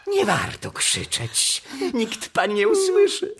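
An actor playing a gloating, theatrical Martian villain in a radio drama, savoring his menace with a gravelly, rough voice. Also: sits high, wildly swooping pitch, slow, background noise, exaggerated voice. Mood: gloating, menacing. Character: gloating three-eyed male Martian villain with gourmet appetite.

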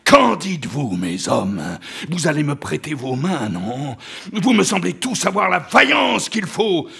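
A furious old whaling captain, obsessed and roaring curses, as a man reading the tale puts him on. His voice is gravelly and husky, sitting somewhat high and breaking into shouts. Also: big pitch swings, measured pace, heavily acted.

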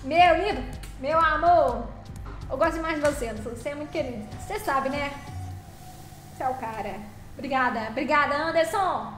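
A woman's voice: sits high, normal speed, reverberant, soft background music. A woman chatting on a live stream, playfully teasing viewers and thanking them by name, now and then singing a short phrase. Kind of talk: casual live-stream chat.

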